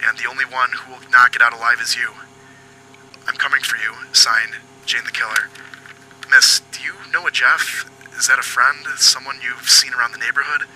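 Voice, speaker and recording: A man playing a foul-mouthed but apologetic police agent in an audio drama, questioning politely and haltingly. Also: mid-range voice, sharp tone, slight background noise, low-quality recording. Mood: probing, determined. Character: foul-mouthed, apologetic male detective agent hunting a killer.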